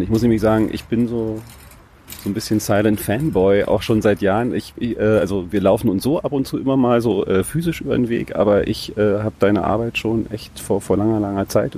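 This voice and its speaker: A man's voice: fairly low pitch, steady tone, fairly quick, mellow. A man from Berlin hosting a podcast interview outdoors, talking casually with lots of hesitations and restarts. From Berlin, Germany. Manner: hesitant, many fillers and restarts. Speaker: podcast host. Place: outdoors on a hot windy day. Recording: outdoor recording with light wind noise.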